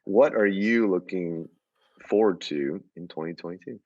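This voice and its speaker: Deep-voiced man, dry and teasing. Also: moderate pace, a little mellow, no echo, dull audio. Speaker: podcast host. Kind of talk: casual podcast conversation.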